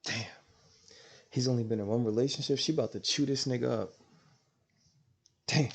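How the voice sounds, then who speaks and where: A man's voice: mid-range voice, steady tone, moderate pace, creaky, breathy edge. A man hosting a reaction video, commenting in a philosophical, slangy, musing way.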